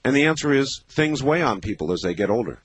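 A man of fifty hosting a late-night call-in radio show, talking in a thoughtful, measured way with many pauses and fillers. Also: mid-range voice, sing-song, slightly rough, no echo. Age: 50s. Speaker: radio talk show host.

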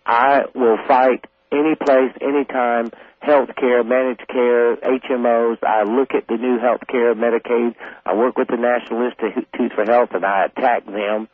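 A man in his forties from South Carolina speaks calmly and earnestly at length. His voice comes over a thin, tinny phone line with a dry sound. He sits at an ordinary middle pitch. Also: normal speed, hardly any pauses, no room sound. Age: 40s. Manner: calm, earnest and long-winded. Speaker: radio guest. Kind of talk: call-in radio conversation.

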